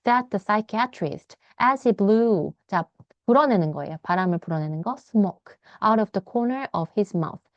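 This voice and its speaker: A woman's voice: mid-range voice, animated, no room sound. Korean female English teacher, read-aloud lesson, dry close lo-fi recording. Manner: reads English lines slowly, then explains in quick Korean. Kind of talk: bilingual read-aloud lesson, explaining a novel.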